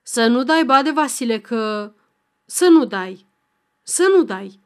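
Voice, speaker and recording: A woman's voice: a little high, lively intonation, clear, resonant tone, natural voice. A woman voicing a proud young peasant man who answers in a restrained, slightly trembling, mocking voice. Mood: defiant.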